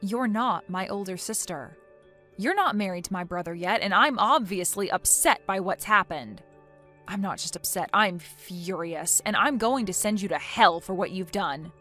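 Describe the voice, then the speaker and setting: A woman voicing a calm, resolute young woman who speaks in a cold, measured, firm way. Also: medium pitch, faint music behind, pitched below the performer's own voice.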